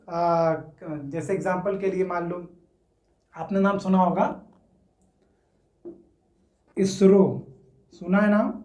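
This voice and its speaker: A man's voice: high voice, darkish tone. A man teaching English grammar in a casual, repetitive way, often stopping to check that listeners follow. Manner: repetitive, checks in with "theek hai". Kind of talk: casual Hindi-English classroom explanation. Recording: roomy echo.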